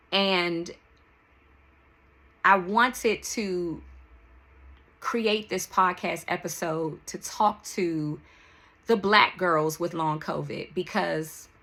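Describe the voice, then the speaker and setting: Bright-voiced D.C. woman, unhurried podcast host. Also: lowish voice. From Washington, D.C., United States. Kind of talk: personal solo podcast monologue.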